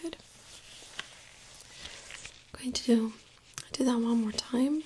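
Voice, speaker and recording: A woman softly whispering in an ASMR medical exam roleplay, giving slow, gentle, attentive instructions as the examiner. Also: on the high side, background noise. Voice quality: soft breathy whisper.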